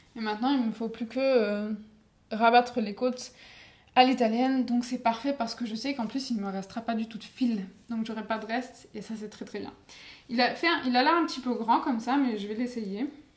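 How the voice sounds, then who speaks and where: The speaker talks at a fairly quick pace with fairly even intonation but big swings in loudness. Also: woman, fairly high pitch for a woman. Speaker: knitting youtuber and designer. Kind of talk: tutorial. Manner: halting, many hesitations.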